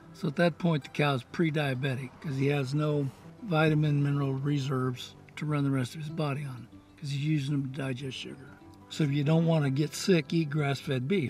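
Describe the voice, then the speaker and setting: A man talking at a fairly quick pace with fairly even intonation, dry sound with no echo, and faint music in the background. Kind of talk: interview answer. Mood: opinionated, emphatic. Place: car.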